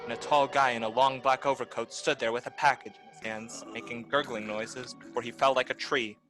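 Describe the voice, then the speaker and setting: A man playing a hard-boiled private detective in a noir radio play, terse, wry and deadpan. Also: mid-range voice, brisk, over music, lightly acted. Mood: wry, weary.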